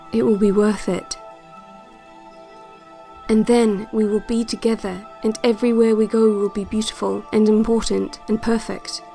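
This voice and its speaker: An actress playing a calm, yearning woman who narrates secret relaxation cassettes in a measured, intimate audio drama monologue. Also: medium pitch, natural voice. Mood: urgent, tender. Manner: measured, deliberate, repetitive phrasing.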